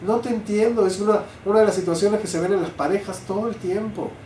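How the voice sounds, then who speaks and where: An older man, a rabbi, giving a Torah class, lively and full of rhetorical questions. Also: high-pitched, fast. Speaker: rabbi teaching. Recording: roomy sound, mic at a distance, faint noise.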